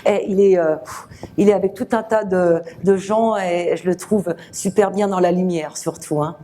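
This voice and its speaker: A woman medium giving a live reading to an audience, speaking gently with many fillers and restarts. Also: lowish voice, fairly even intonation, moderate pace, a little hiss or hum. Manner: gentle, reassuring address to the sitter.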